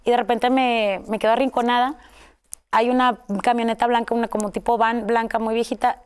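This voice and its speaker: A woman's voice: fairly high pitch, flat delivery, brisk, clean tone. A woman with a Mexican accent, telling her own story in a casual interview, rambling with many fillers and self-corrections. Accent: Mexican Spanish.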